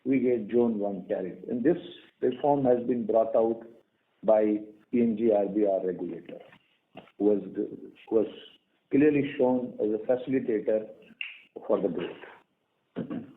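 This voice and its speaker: A man with an Indian accent giving a prepared company earnings presentation as an executive, formally and in short, measured phrases. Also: lowish voice. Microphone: phone or conference call line. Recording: tinny phone-line conference call audio.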